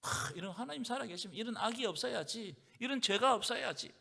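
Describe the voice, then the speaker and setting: A man's voice: very high-pitched, lively intonation, a little fast, creaky, pushed and bright. A male pastor leading a Bible study, preaching with rhetorical questions and calling the congregation to read along. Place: church hall. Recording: reverberant church hall.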